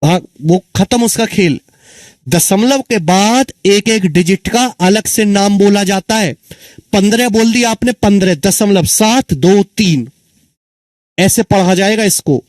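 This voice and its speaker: Guy teaching exam maths, high voice, repeats stuff, quizzes the kids, dry close mic. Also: unhurried, no room sound. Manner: repeats answers, asks students questions; calls students children and friends. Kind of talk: exam-prep maths lesson.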